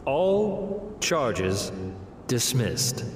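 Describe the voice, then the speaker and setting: An actor playing a smooth-talking demon who works as a defense lawyer, telling his story in a theatrical, wry way for an audio drama. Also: mid-range voice, very animated, extremely slow, very noisy. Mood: matter-of-fact, cynical. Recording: reverberant hall, music underneath.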